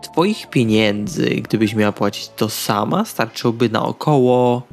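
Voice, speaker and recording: A man's voice: medium pitch, a little slow. A man playing a tabletop role-playing game, casually speaking in character and describing his actions. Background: music.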